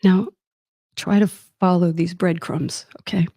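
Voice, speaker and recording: A woman's voice: lowish voice, steady tone, measured pace, mellow, dry recording, studio quality. A middle-aged woman hosting a show, telling her family history in a wry, reflective personal monologue. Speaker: host.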